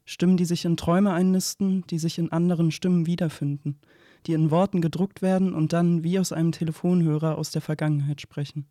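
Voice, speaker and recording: A reflective man acting as narrator for a poetic radio play. His fairly high male voice is mellow and very even, measured and restrained, recorded dry. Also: dry recording, natural voice.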